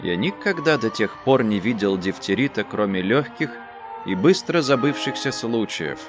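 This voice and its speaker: Man reading a story over soft music. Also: lowish voice, expressive, normal speed. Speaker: narrator. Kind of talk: audiobook story reading, first person. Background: faint music.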